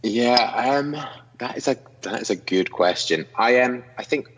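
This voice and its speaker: A man's voice: medium pitch, measured pace, a bit bright, in a large hall, lo-fi sound. A young Scottish man from the northeast chatting as a podcast guest, self-mocking and full of restarts, over a video call. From Scotland, northeast near Inverness. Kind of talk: casual interview chat. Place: his own studio.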